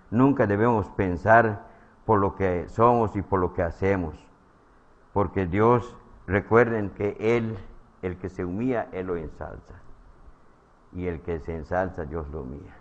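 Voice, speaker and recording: A man preaching a sermon, repeating his phrases, calling his listeners brothers and asking "eh?" as he swings from loud emphatic lines to low quiet ones. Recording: dull lo-fi sound.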